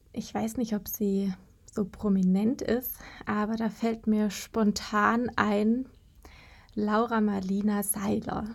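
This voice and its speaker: A woman at a fairly high pitch, very slow and somewhat breathy, with flat, monotone intonation and long, frequent pauses. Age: 20s. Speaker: nurse, yoga teacher and coach. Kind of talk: recorded interview answers.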